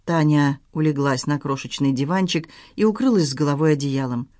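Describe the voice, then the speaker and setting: Audiobook narrator, steady and measured, mid pitch, super dry close mic. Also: no echo. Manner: even, measured storytelling.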